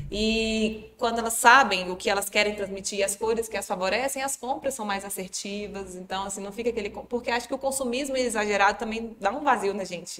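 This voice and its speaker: A plain, everyday voice from a woman, fairly high in pitch, at a fairly quick pace. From Brasília, Brazil. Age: 30s. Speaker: image consultant. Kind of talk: casual chat.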